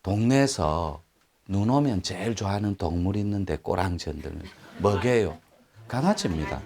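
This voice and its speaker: Male lecturer, slightly low voice with wide pitch swings, speaks animatedly to his audience. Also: normal speed, creaky, slightly rough. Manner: animated, acts out quoted speech, addresses listeners directly.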